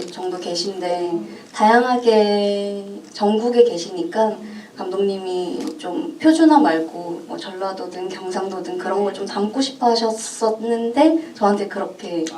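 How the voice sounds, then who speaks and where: Mellow-voiced actress telling a story. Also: female voice, medium pitch, normal speed, hardly any pauses, far from the mic. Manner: friendly, easy storytelling with light laughs. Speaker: supporting actress at a film Q&A. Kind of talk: casual anecdote at a screening talk. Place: cinema auditorium. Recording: echoey cinema, from afar, faint hum.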